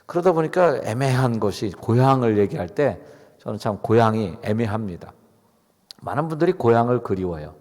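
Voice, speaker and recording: A man's voice: mid-range voice, very animated, normal speed, a little mellow. A middle-aged man, a pastor, preaching a sermon in a conversational, chatty way, asking the congregation questions. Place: church sanctuary. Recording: long reverb of a church hall.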